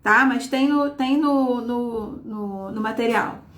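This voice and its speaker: Uma professora dando aula online, explicando com paciência e lendo trechos em voz alta com entonação marcada, sempre checando com "tá?" e "né?". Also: female voice, a little high, slow pace, fairly bright tone, reverberant. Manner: explains patiently, reads texts aloud with marked intonation; often checks in with "tá?" and "né?". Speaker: teacher. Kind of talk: live online class.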